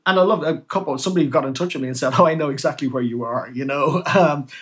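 A man's voice: a little high, fast, a bit bright. A man, a novelist guest, speaking in a self-deprecating, anecdotal way with frequent restarts. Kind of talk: casual interview chat.

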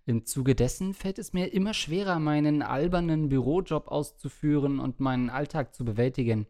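A man's voice: fairly high pitch, moderate pace, dark tone. Dry, matter-of-fact male podcast host. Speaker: podcast host reading listener mail. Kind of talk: casual chat and reading letters aloud.

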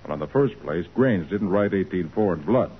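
An actor playing a shrewd, confident master detective in a 1940s radio drama, deductive and authoritative in manner. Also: male voice, low voice, expressive, brisk, slightly rough. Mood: explaining. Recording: muffled narrow-band old radio recording.

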